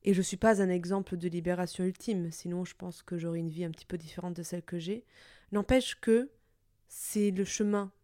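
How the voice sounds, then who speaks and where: A woman's voice: on the low side, steady tone, fairly quick, mellow, no room sound, studio quality. A young adult woman hosting a personal podcast monologue, talking in a reflective way and searching for her words. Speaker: podcast host.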